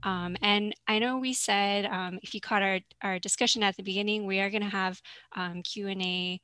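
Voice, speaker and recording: Bright, crisp woman hosting a call. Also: mid-range voice, steady tone. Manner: friendly, quick, chatty with ums. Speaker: host. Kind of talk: hosting a video-call author talk. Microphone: headset on video call.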